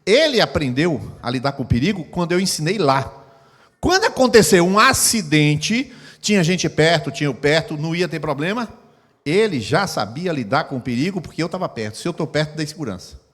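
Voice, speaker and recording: A man's voice: on the high side, sing-song, a little fast, fairly bright tone. A middle-aged man preaching a sermon as pastor, acting out scenes with sound effects. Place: church hall. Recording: long hall reverb.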